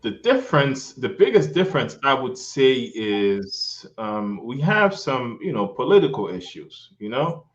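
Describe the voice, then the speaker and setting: A man's voice: medium pitch, big pitch swings, unhurried, hardly any pauses, dull audio. A young man from Haiti, talking earnestly in a casual interview, repeating himself and often asking "you understand?". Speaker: guest, travel YouTuber.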